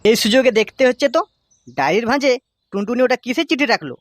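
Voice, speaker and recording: Man doing a high-voiced grumpy cartoon father. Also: very animated, fast talker, dry recording. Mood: suspicious. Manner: accusing, coarse, grumbling. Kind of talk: Bengali comedy cartoon dubbing.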